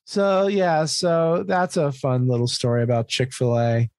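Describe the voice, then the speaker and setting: A man's voice: on the high side, expressive, unhurried, darkish tone, no echo, clean studio sound. An American man co-hosting a podcast in casual comedic chat, swearing freely and repeating words emphatically as he explains. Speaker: podcast co-host.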